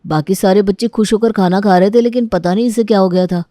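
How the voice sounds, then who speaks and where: A woman's voice: mid-range voice, steady tone, fast, warm tone, no room sound, studio quality, natural voice. A woman voicing a chatty older boy in a storybook tale, explaining things in a telling-on tone. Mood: tattling.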